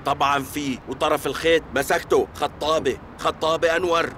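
A man's voice: fairly high pitch, steady tone, a little fast, a bit bright, a little hiss or hum, natural voice. A man with a Syrian accent voicing a suspicious, lovesick young man in a dubbed TV drama, talking earnestly and with agitation. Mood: troubled. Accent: Syrian Arabic. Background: music score.

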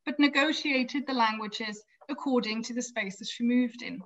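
A woman's voice: a little high, fairly bright tone. Woman lecturing over a dull video call. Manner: measured, reads prepared text with small restarts. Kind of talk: academic lecture read from slides.

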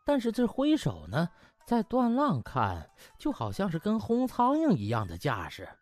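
Highly animated male audiobook storyteller. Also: moderate pace, dry recording, soft background music. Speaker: audiobook narrator. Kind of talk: lively comic storytelling.

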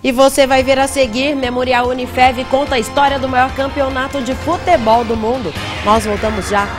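A woman presenting the weather forecast in a measured announcer delivery. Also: high voice, fairly even intonation. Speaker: news presenter. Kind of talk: read news and weather. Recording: dry voice-over with faint music.

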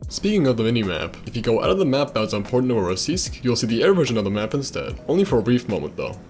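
Man, scripted game trivia narration, quick pace, animated pitch, music underneath.

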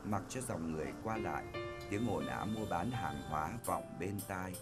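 Deep-voiced male documentary narrator. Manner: calm, measured documentary reading. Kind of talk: scripted narration. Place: voice-over studio. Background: faint music.

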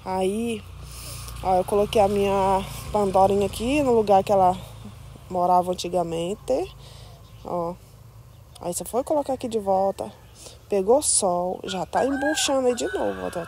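Woman, casual garden vlog, chatty and doting, mellow tone, phone mic outdoors. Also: medium pitch, unhurried, creaky, a little hiss or hum. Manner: chatty and doting, coos over plants with diminutives. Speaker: plant vlogger. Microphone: phone held while filming.

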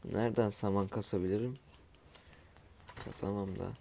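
A groggy man who has just woken up, talking through a game in a low, gravelly voice. His tone is dark and mellow, and he mutters to himself as he builds, dropping the odd aside to viewers from his room at home. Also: fairly even intonation, normal speed, slight background noise. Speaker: gamer streaming his play. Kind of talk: casual let's-play commentary.

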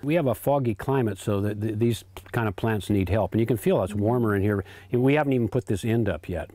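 A man's voice: lowish voice, fairly quick. Rambling man in his eighties. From United States. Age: 80s. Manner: relaxed, rambling, repeats words while thinking. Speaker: homesteader giving a tour. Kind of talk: casual tour talk. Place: outdoor garden and home pantry.

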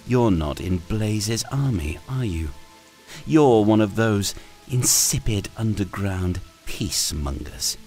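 A man's voice: fairly low pitch, animated, slow pace, darkish tone, soft background music, voice pushed up. A man voicing a scornful dragon queen. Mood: contemptuous. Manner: hissing, scornful and cold. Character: cruel scheming female sand dragon queen.

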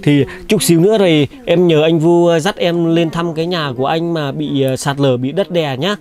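A man's voice: on the high side, fairly even intonation, normal speed, a little mellow, soft background music. A young man vlogging on a village visit, chatty and caring, talking straight to his viewers. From Vietnam. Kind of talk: casual vlog chat.

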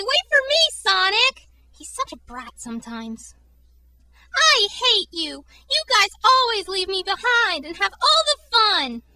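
A woman's voice: extremely high pitch, bright, forceful tone, no room sound, heavily acted. A woman voicing a perky, lovestruck, feisty young cartoon hedgehog girl in a gushing, exclamatory way, as a game character audition. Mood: annoyed, then cheerful, bold.

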